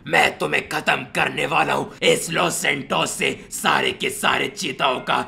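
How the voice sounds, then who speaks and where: A man voicing a menacing, boastful lion villain in a game story, with a gravelly, taunting delivery. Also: fairly high pitch, steady tone, unhurried, sharp tone, voice pushed down, heavily acted. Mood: gloating menace. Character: menacing gloating male lion villain monster.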